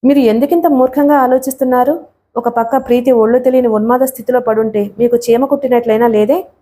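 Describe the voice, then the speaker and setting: A woman's voice: a little high, fairly even intonation, quick pace, warm tone, close to an everyday voice. A woman reading as a grieving pleading mother. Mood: reproachful. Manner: pleading, tearful. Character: anxious, grieving middle-aged mother.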